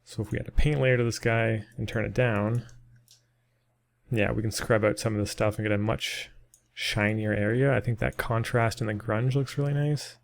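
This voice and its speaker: Gravelly man teaching a software tutorial. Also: fairly low pitch, moderate pace, slight background noise. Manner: relaxed, thinking aloud, many ums and uhs. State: slightly losing his voice. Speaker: 3D modeling tutor. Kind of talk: casual screen-recorded software tutorial.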